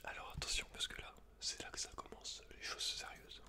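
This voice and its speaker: A man whispering in an ASMR style, hushed and intimate, as a host chatting and reading aloud to one listener. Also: fairly quick.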